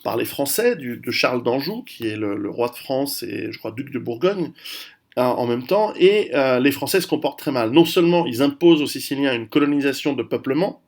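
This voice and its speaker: A man's voice: mid-range voice, lively intonation, a little fast. A man of Italian heritage hosting his own video channel, talking casually through a history lesson with many restarts and fillers. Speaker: video host. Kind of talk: casual history talk to camera.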